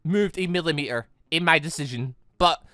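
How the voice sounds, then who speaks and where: A man doing rambling, exasperated let's play commentary on a visual novel, in an animated way. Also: a little high, normal speed, dry recording, studio quality. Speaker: gaming video host.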